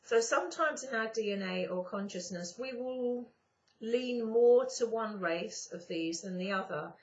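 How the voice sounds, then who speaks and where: Hoarse with a morning croak, a middle-aged YouTuber who does spiritual channeling speaks at a fairly high pitch into a close webcam from her home sofa. Her casual monologue moves slowly, with long, drawn-out pauses, and the webcam sound is a bit dull.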